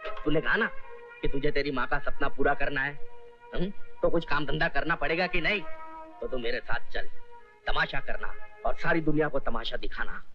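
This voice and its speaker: A man's voice: mid-range voice, moderate pace, music in the background, lightly acted. A man playing a jokey fatherly street showman. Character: kindly male street showman taking in orphans. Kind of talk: 1990s Hindi film acting. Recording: dull lo-fi film soundtrack.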